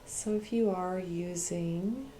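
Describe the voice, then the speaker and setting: A woman guiding an ASMR meditation as a Reiki practitioner, speaking in a soft, hushed, soothing way with long pauses and occasional whispering. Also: lowish voice, a little hiss or hum.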